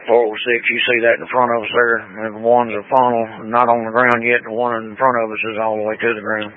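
A man's voice: mid-range voice, flat delivery, a little fast. A man, a storm spotter reporting over a two-way radio in terse, repetitive radio traffic. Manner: terse, repeats words while reporting. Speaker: storm spotter for county emergency services. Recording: narrow tinny radio channel.

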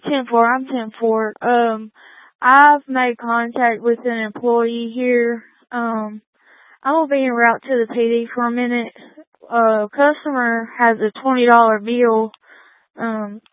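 A woman police officer talking to dispatch over a walkie talkie radio, brisk and full of codes. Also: fairly high pitch, steady tone, no room sound. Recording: tinny, dry radio transmission.

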